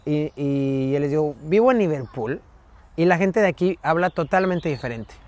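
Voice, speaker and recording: Guy guesting on a podcast, kinda high voice, chatty storyteller who does english bits. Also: normal speed. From Mexico. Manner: animated storyteller who mimics English phrases. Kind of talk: casual interview storytelling.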